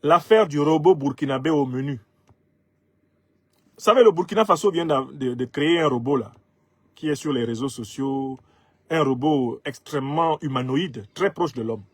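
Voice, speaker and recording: A man in his fifties from Cameroon whose first language is Bassa, emphatically commenting on viewers' social media comments. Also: normal speed, husky, dry recording. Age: 50s. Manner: emphatic, rhetorical, laughs at his own jokes.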